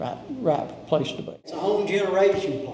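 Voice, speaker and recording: A man with an Appalachian accent at a moderate pace, ordinary pitch variation, noticeable background noise and audible room echo. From Kentucky, Harlan County (Appalachia). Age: 70s. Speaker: local resident sharing town history. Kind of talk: casual interview. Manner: halting with fillers.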